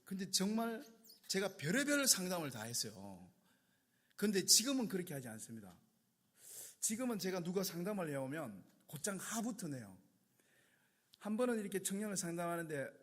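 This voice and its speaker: A male pastor preaching with a high, bright voice that rises and falls in lively sweeps. He tells stories animatedly and acts out little conversations. His voice rings through a church sanctuary with long reverb. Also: normal speed. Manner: animated storytelling, acting out dialogues. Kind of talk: sermon.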